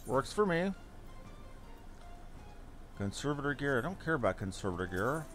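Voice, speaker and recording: A man's voice: medium pitch, big pitch swings, normal speed, a bit bright, faint music behind. A man giving casual commentary as he streams a game, sometimes muttering to himself.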